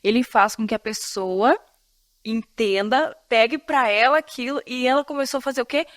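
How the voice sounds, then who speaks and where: High, expressive woman pastor hosting. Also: normal speed, no echo, studio quality. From Florianópolis, Brazil. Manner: lively, expressive, laughs often, preachy asides to listeners. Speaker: pastor and podcast host. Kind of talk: casual faith-based podcast conversation.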